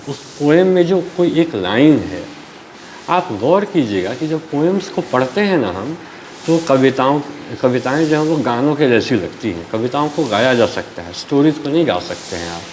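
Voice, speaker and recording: Male teacher, slow and animated, explaining patiently with faint hiss behind. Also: medium pitch, low-quality recording. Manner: slow explaining, mixing Hindi and English, frequent "ठीक है". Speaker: school English teacher. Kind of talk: online class lecture.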